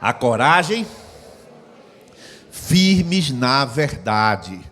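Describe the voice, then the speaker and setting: A man's voice: mid-range voice, very animated, extremely slow, fairly bright tone. A middle-aged man preaching a sermon as pastor, acting out scenes with sound effects. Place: church hall. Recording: long hall reverb.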